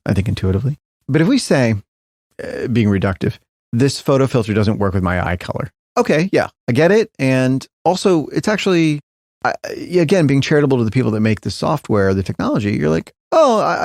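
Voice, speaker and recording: A man's voice: medium pitch, sing-song, fast talker, a little mellow, no echo, studio quality. A middle-aged man, a tech founder guest in an interview, talking thoughtfully with many restarts and fillers. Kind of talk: reflective interview conversation.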